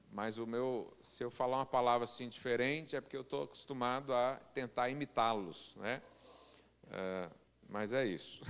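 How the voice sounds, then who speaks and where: A man from Goiânia with a Brazilian Portuguese accent, preaching a sermon as pastor and slowing into loud, emphatic scripture readings. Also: medium pitch, clean tone. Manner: swells loud and slow on scripture quotes. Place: church hall. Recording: long church-hall reverb.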